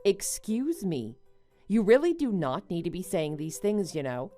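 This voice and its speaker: A woman's voice: on the low side, sing-song, measured pace, dark tone, soft background music. A woman playing a level-headed young married woman, a betrayed friend who answers firmly and with exasperation in a story drama. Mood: indignant, firm. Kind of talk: melodramatic animated-story voice acting.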